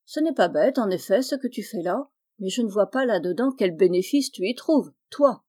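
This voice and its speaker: A woman's voice: mid-range voice, animated, normal speed, mellow, close to an everyday voice. Woman reading as Kersak, a blunt old farmer. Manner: frank, plain-spoken. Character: blunt older male Breton farmer.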